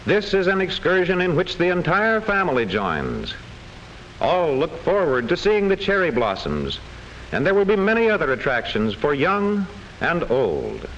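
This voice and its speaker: A man narrates an old educational film with very animated, swooping intonation. His voice is a little high and carefully enunciated, over the faint hiss of an old soundtrack. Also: normal speed, rough recording. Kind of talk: scripted classroom film narration.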